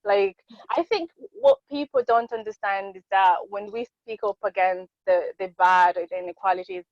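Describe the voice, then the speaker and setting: A woman's voice: medium pitch, animated, normal speed, no echo, lo-fi sound. Earnest French-native woman, late twenties. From Congo. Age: late 20s. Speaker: podcast guest. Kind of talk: casual conversation.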